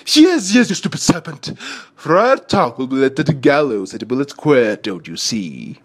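A man's voice: medium pitch, very animated, moderate pace, husky. A man voicing a scheming, petulant lion prince from a cartoon, theatrical and pompous. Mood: gloating, scheming. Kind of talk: cartoon voice impression.

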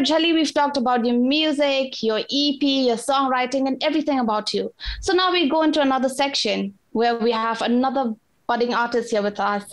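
A woman hosting a radio interview over a video call, bright and upbeat as she introduces guests. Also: fairly high pitch. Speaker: radio show host.

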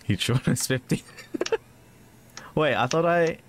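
A man's voice: mid-range voice, animated, takes it slowly, a little hiss or hum. A young man doing casual, joking let's play commentary, thinking aloud as he plays. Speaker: gaming YouTuber.

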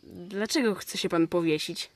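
A man's voice: high-pitched, moderate pace. An actor playing a blunt, curious eleven-year-old boy in a radio drama. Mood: curious, matter-of-fact.

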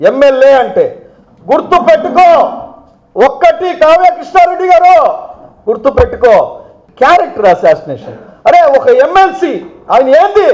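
Fiery high-voiced man. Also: rough recording. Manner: fiery, accusatory, mocking rhetorical questions. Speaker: political party spokesman. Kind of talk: press conference statement.

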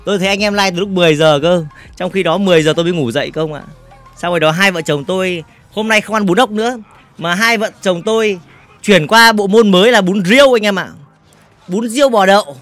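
High-voiced joking male game streamer. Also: fairly bright tone. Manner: joking and teasing, repeats words in quick bursts. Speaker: gaming livestreamer. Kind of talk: casual livestream chat, reading viewer comments.

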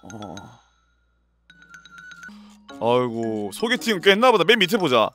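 A male streamer with a high, lively voice and a bright, forceful edge, playing a dating game and reading its chats aloud. He swings from mock-sweet readings into loud, cursing outbursts, with soft music playing underneath. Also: a little slow. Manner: excitable, loud outbursts and profane rants.

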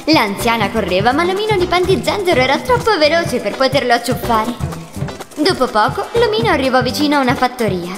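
A woman narrating a children's story in a gentle, expressive way. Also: high-pitched, brisk. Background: music.

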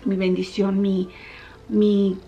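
A woman's voice: medium pitch, takes it slowly, dull audio, faint music behind. Chatty young woman telling a personal story. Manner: chatty, animated when retelling dialogue. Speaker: vlogger. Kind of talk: casual storytelling to viewers.

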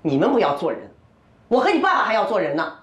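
A woman's voice: medium pitch, big pitch swings, quick pace, a bit bright, a little hiss or hum. An actress playing an indignant, protective middle-aged mother, stern and threatening, in heated TV drama dialogue.

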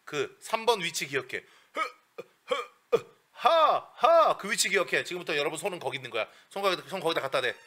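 A male vocal coach giving a lesson in a blunt, bossy, joking way with coarse slang, breaking into breathy falsetto demonstrations. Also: expressive, racing, hardly any pauses, sharp tone.

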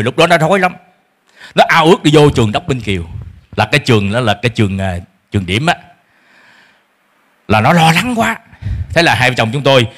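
Middle-aged pastor preaching, bright tense voice, acts out parents in shifting tones. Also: male voice, mid-range voice. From Vietnam. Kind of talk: sermon.

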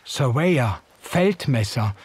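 A man narrating a radio drama in the first person, in a measured, old-fashioned storytelling manner. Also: medium pitch, lively intonation, a little mellow, breathy edge, no room sound, full character voice. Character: young German man recalling the past. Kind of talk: scripted audiobook narration.

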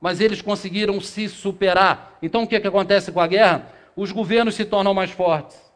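High-voiced middle-aged man lecturing. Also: fairly even intonation, normal speed, fairly bright tone. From Brazil. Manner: rhetorical questions answered himself, reading passages aloud, gesturing. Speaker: spiritist lecturer. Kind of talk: lecture to a seated audience. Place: small meeting room with a projector screen. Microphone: far camera, no handheld mic.

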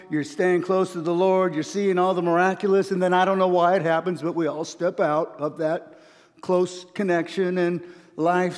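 Animated preacher with a ringing hall echo. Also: male voice, on the high side. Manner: storytelling preacher, animated, swings between soft asides and loud emphasis. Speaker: pastor. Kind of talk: sermon. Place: church stage, large hall. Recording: long church hall reverb.

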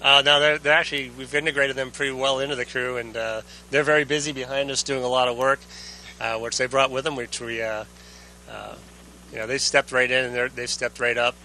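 A man, an astronaut, giving casual, halting answers in an interview. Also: mid-range voice, steady tone, sharp tone, low-quality recording. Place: aboard a space station. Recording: faint hum and noise.

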